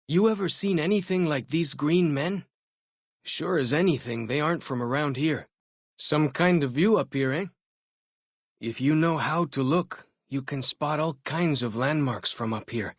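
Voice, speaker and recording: A man's voice: fairly high pitch, unhurried, breathy edge, no room sound, clean studio sound. A man playing a friendly, curious young tribal scout and guide in a video game, chatty and folksy. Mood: curious, wondering. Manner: folksy, chatty, inquisitive, easygoing phrasing. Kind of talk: video game companion dialogue.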